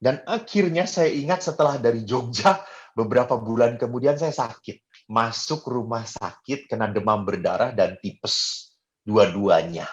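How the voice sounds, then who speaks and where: A middle-aged Catholic priest preaching a homily, telling personal stories in an animated, joking way with many fillers. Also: male voice, medium pitch, unhurried, muffled recording. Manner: animated, jokey storytelling with fillers.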